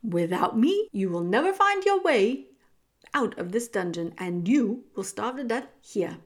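A woman's voice: on the high side, big pitch swings, unhurried. A woman voicing a cruel, sneering male rat villain from a storybook, with haughty, formal, commanding diction. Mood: cold, imperious.

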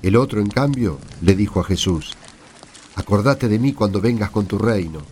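A man's voice: fairly low pitch, lively intonation, normal speed, darkish tone, slight background noise, close to an everyday voice. A man with an Argentine accent playing an earnest, assured apostle testifying to friends in a radio play. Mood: solemn, earnest. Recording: music under the voice.

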